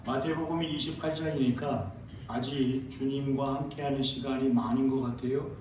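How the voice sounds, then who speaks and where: A man preaching a sermon as pastor, asking his congregation questions and answering them himself, and reading scripture slowly. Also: mid-range voice, steady tone, a little mellow, slight background noise. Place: church sanctuary. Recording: very echoey church, heard from a distance.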